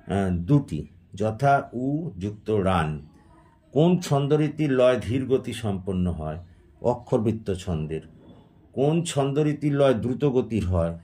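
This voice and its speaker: A male teacher reading out exam questions and their answers in a steady question-and-answer dictation. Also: mid-range voice.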